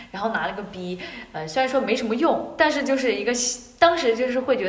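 Amid noticeable background noise and audible room echo, a woman's pitch moves in very wide swings. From southern Fujian. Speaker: broadcasting student. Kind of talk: casual chat.

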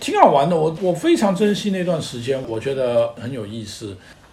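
A man talks at a fairly quick pace with very wide pitch swings. Noticeable background noise runs behind him. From Hong Kong. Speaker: independent bookstore owner. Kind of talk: casual interview conversation. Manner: halting, many fillers.

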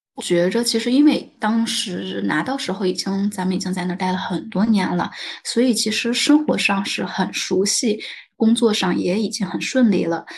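Her medium-pitched voice carries vocal fry as a woman speaks at a moderate pace with ordinary pitch variation. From China. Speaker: immigrant guest. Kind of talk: casual chat.

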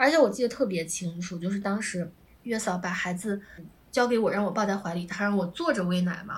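Someone speaks at a fairly quick pace with ordinary pitch variation over noticeable background noise. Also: woman, medium pitch for a woman. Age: 30s. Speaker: podcast co-host and mother. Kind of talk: casual chat.

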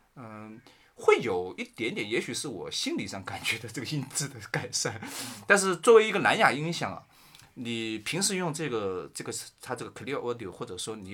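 Bright and sharp in tone, a man at medium pitch speaks at a moderate pace, with very wide pitch swings and big swings in loudness. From Sichuan, China. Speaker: podcast guest, plant enthusiast. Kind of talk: casual chat.

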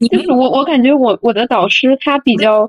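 A dry, close sound with no echo and a moderate pace. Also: woman. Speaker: graduate science student caller. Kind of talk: call-in question. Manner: halting.

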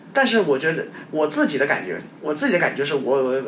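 Noticeable background noise and audible room echo accompany a man speaking at a fairly high pitch. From Chengdu, Sichuan, China. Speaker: podcast guest. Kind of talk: casual chat. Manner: halting.

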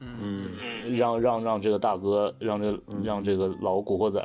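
This is a man speaking at a medium pitch. He has a Northeastern Chinese accent. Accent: Northeastern Mandarin. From Northeast China. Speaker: painter, former convenience store clerk. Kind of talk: casual chat. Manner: stammering repetitions.

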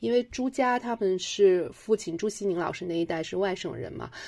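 This woman has a dark, mellow tone and a medium pitch, talking at a moderate pace with ordinary pitch variation. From Beijing. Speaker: journalist. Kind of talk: casual chat.

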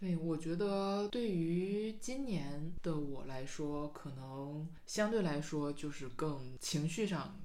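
Hardly any pauses break up the speech. It unfolds at a very slow pace. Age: 20s. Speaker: podcast co-host. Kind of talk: casual chat.

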